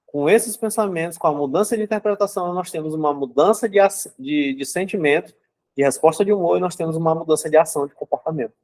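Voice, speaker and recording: A man's voice: a little high, quick pace, a little mellow. A young adult man giving a casual psychology talk, conversational and checking in with listeners as he explains. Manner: conversational, keeps asking "né?" and "certo?".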